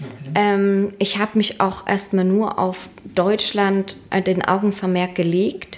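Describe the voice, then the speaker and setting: A woman's medium-pitched voice with a slight Franconian accent, monotone and flat, at a very slow pace over noticeable background noise. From Lower Franconia, near Würzburg. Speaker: winemaker and wine shop founder. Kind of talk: interview. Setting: studio, sitting across the table.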